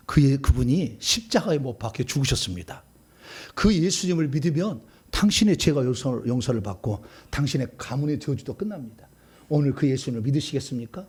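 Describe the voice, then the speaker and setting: A Korean man, a pastor, teaching a charismatic prayer meeting with animated, emphatic, folksy explanations. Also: mid-range voice, breathy edge. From South Korea.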